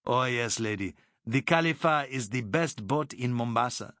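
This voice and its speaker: A man's voice: mid-range voice, lively intonation, normal speed, fairly bright tone, dry recording, clean studio sound, close to an everyday voice. A man doing a proud, courteous Arab sea captain. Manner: formal, broken English, courteous. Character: proud, shrewd middle-aged Arab boat captain.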